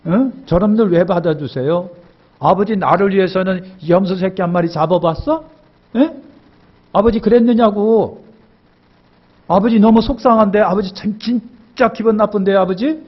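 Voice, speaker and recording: A man's voice: sits high, normal speed, lo-fi sound. A man voicing a resentful, self-righteous elder son who complains indignantly. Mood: sulky.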